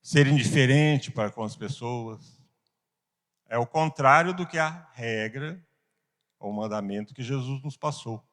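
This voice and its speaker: A man with a Brazilian Portuguese accent teaching a Bible class, earnest, asking rhetorical questions and pausing for emphasis. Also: medium pitch, a bit bright. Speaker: Sunday school teacher.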